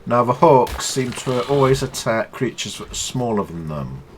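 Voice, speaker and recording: A man with a stuffy nose from a cold, explaining a video game in a chatty, low-key tutorial. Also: expressive, normal speed, slight background noise. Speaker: gaming channel host.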